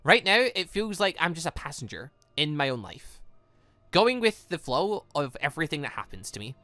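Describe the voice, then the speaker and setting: An earnest young male student from a visual novel, read aloud by a gaming host. He is plain-spoken and defiant about his friends, with a bright, animated voice and a dry sound. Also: medium pitch, normal speed, no room sound. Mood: earnest, wistful.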